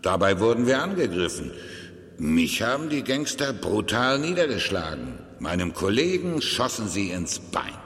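Casting: ex-security guard in audio drama, low voice, deliberate telling, long reverb. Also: male voice, sing-song, a bit bright. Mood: grave recollection. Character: former armored-car guard recounting an old robbery. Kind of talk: German audio drama acting.

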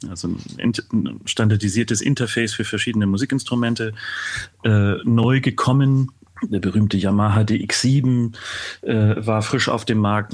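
Middle-aged man with a lower voice, deliberate. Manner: hesitant, deliberate phrasing with frequent pauses. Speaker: interview guest, composer and music producer. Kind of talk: reflective interview answer, recounting past work.

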